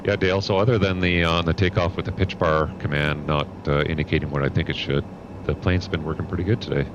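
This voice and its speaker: A man talking as a pilot through a cockpit headset mic, calmly running checklists and commenting as he flies. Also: a bass voice, fast. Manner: calm, methodical checklist talk. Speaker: flight sim streamer playing pilot. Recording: muffled headset audio over loud aircraft hum.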